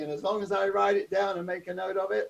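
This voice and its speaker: A man with a southern English accent speaks in a high voice. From southern England (London, Brighton). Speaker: speaker and coach. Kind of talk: interview conversation.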